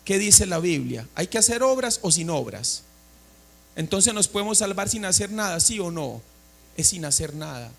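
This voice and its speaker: A man's voice: sits high, very animated, normal speed, creaky, a bit bright. A man preaching a sermon as a pastor, asking the congregation questions and calling for responses.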